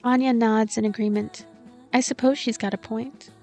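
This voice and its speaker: High-voiced woman narrating a game playthrough. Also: steady tone, normal speed, darkish tone, faint music behind. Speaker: let's play commentator and narrator. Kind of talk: voiced gameplay narration and commentary.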